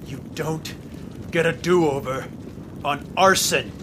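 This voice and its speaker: A man's voice: a little high, slow, background noise. An actor playing an earnest, easily exasperated male investigator in an audio drama.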